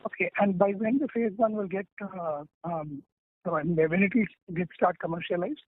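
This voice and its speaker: A man's voice: high voice, normal speed, dry recording. A man with an Indian accent asking analyst questions on an earnings call, hesitant and often rephrasing. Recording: thin telephone line.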